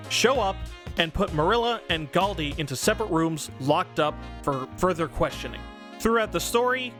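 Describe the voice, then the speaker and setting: A man's voice: a little high, fairly bright tone. A man giving a casual, scripted game review in an irreverent, informal, sweary way. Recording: music behind the voice. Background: background music.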